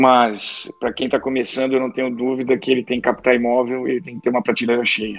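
Over noticeable background noise, a man rattles along at a very fast pace in a monotone, flat intonation with hardly any pauses. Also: medium pitch for a man. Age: 40s. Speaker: real estate broker. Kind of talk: interview. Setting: remote call.

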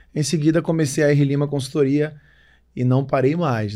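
A man with a fairly high pitch and a normal speaking voice uses ordinary pitch variation over a quiet background. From Belém, Pará, northern Brazil. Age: 30s. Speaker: business consultant. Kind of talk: interview conversation.

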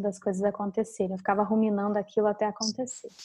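Here a woman speaks at a medium pitch. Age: 20s. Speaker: podcast host, illustrator. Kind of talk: casual chat.

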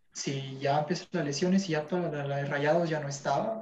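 A somewhat breathy male voice, fairly high for a man, at a fairly slow pace with fairly even intonation. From Escobedo, Nuevo León, Mexico. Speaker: podcast panelist. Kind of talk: casual sports chat.

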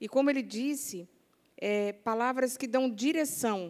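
On a very clean recording with a silent background, a woman with a high voice speaks at a fairly slow pace. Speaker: pastor. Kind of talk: sermon.

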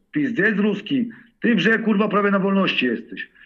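A man speaks with a Ukrainian accent in a high pitch. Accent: foreign-tinged Polish from living in Ukraine. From Poland, Kraków. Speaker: former football hooligan and criminal. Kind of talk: interview testimony. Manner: halting, with many fillers and repetitions.

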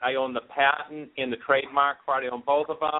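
A man talks at a moderate pace in a fairly high voice with fairly even intonation. He has an unremarkable speaking voice. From Boston. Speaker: bat maker, runner. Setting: phone call.

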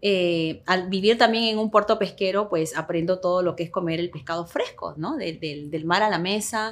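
In a very clean recording with a silent background, a woman with a normal speaking voice at medium pitch talks at a moderate pace, with hardly any pauses and ordinary pitch variation. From Peru, Chimbote. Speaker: restaurant entrepreneur. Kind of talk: interview.

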